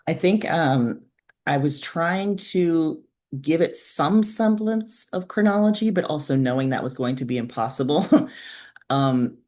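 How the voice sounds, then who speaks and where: A woman's voice: deep voice, expressive, a little slow, mellow. A woman author being interviewed, talking in a reflective, candid and informal conversational way.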